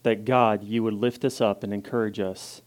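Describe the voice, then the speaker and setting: Loud, casual man preaching. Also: on the low side, steady tone, normal speed. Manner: loud, casual and self-deprecating, reads scripture with rising emphasis, prays softly. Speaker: guest preacher. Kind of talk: informal sermon with scripture reading and prayer.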